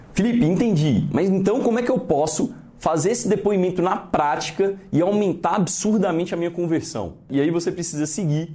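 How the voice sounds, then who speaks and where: Speaking at a moderate pace with hardly any pauses, a man with a high voice keeps very even loudness and ordinary pitch variation against noticeable background noise. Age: 20s. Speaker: network marketing trainer / YouTuber. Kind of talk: tutorial.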